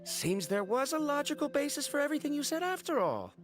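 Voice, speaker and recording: Formal, reserved researcher. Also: male voice, very high voice, big pitch swings, soft background music. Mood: reserved, conceding. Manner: formal, measured. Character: reserved, formal male researcher conceding politely.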